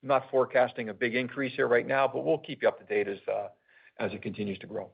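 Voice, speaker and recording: A man's voice: mid-range voice, fairly even intonation, fast, gravelly, breathy edge. A man speaking as a company executive, answering an analyst's question off the cuff. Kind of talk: unscripted earnings call answers. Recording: tinny narrow phone-line sound.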